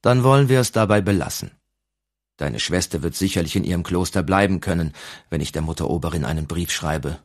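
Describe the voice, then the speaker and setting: A man reading the part of a grave, kindly abbot in an audiobook, speaking in a gentle, measured, solemn way. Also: sits low, expressive. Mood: firm.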